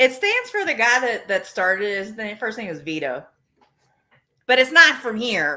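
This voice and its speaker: A woman with a strong Virginia accent speaks at a moderate pace, her fairly high pitch making very wide swings. Her tone is bright and sharp, and her loudness swings a great deal. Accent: thick Southern Virginia. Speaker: podcast guest. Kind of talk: casual chat.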